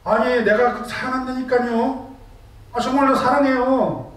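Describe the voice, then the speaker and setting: A flustered husband stammers and pleads, caught out and fumbling for words, as a preacher puts him on. The high voice rings through a big echoey hall from a distant mic. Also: male voice, steady tone, measured pace, fairly bright tone.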